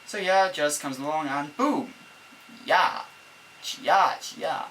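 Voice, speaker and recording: A man's voice: on the high side, takes it slowly, a bit bright, rough recording. A young man with a chatty, rambling manner, giving a game-building commentary voice-over at his desk, recorded on an old camcorder's microphone instead of a proper mic. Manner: rambling, self-correcting, chatty. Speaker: let's-play builder. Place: at a desk at home. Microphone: camera microphone, not a desk mic. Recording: faint hum from a camcorder mic. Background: faint laptop fan hum.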